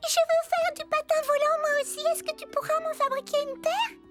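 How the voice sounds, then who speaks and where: A woman's voice: very high voice, level tone, fairly quick. A woman playing an eager, chatty little girl in a children's cartoon. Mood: pleading. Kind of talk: animated children's cartoon dubbing. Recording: children's music behind the voice.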